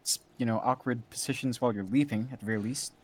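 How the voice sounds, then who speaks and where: A man's voice: mid-range voice, quick pace, slight background noise. Southeast Asian-accented male esports analyst. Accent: Southeast Asian English. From Southeast Asia. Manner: relaxed, easily amused, thinking aloud. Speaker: esports co-caster. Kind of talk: analytical color commentary.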